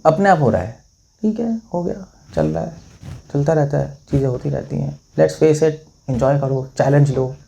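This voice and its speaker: A man's voice: a little high, lively intonation, moderate pace, creaky, mellow. A middle-aged monk giving a storytelling sermon in Hindi, mixing in English words and acting out the people in his stories. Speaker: monk and spiritual teacher.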